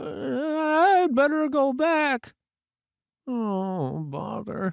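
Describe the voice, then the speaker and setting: Very slow delivery in a put-on character voice with a high pitch. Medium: read story. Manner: soft, hesitant, fussy.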